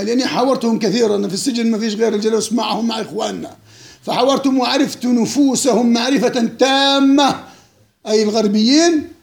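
High-voiced, gravelly man lecturing. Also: a little mellow, roomy sound. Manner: mocking, laughs often, quizzes listeners. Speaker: lecturer leading a book discussion. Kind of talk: informal lecture to an audience.

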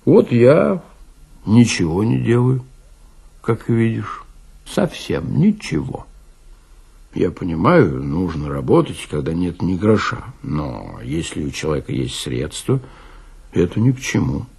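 A male reader acts out a jaded, ageing nobleman gone to seed in a tavern. The voice is low and gravelly with a husky edge. He speaks with impassive indifference, as in a dramatised classic story. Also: sing-song, unhurried, a little mellow, exaggerated voice. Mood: indifferent, world-weary. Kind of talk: dramatic literary reading.

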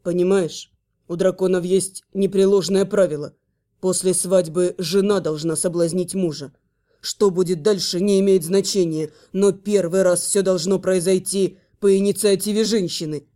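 A woman voicing gloomy, fretful young male dragons in a lowered, brooding voice. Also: steady tone, normal speed, mellow, natural voice. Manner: low brooding put-on male voice.

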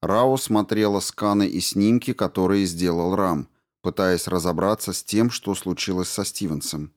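A man reading a story aloud in a steady, measured narration. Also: low voice. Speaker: audiobook narrator. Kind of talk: scripted narration.

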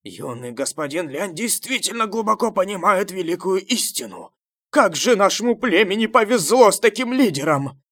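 A man voicing the fawning henchmen of a tribal leader in an audiobook, loud, exclamatory and emphatic. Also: mid-range voice, normal speed, few pauses, no echo, close to an everyday voice. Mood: adoring, fervent. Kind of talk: audiobook character voice.

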